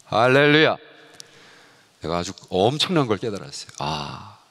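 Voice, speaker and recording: A middle-aged man, a pastor and missionary, preaching a sermon in an animated storytelling way, acting out dialogue and sometimes shouting. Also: fairly low pitch, fairly quick.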